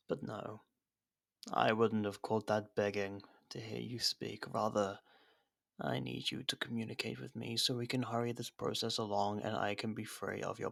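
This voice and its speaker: A man playing a captured, haughty royal rival with dry sarcasm and theatrical pauses in an ASMR roleplay. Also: fairly low pitch, gravelly, fairly bright tone, exaggerated voice.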